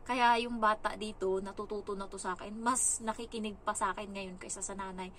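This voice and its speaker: A young woman from the Philippines, working as a household caregiver, tells stories in a casual vlog and acts out what people said in a raised, lively voice. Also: medium pitch, a little fast, a little hiss or hum. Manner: animated, acts out quoted lines in a raised voice.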